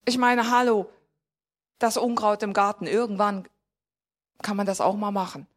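A woman's voice: medium pitch, fairly even intonation, normal speed. A woman preaching a sermon in a conversational way, asking her listeners questions directly and rising to emphatic points.

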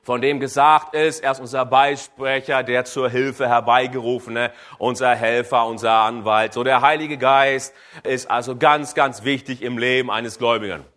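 A man's voice: mid-range voice, steady tone, normal speed, fairly bright tone. A man preaching a sermon, addressing the congregation directly and calling for amens.

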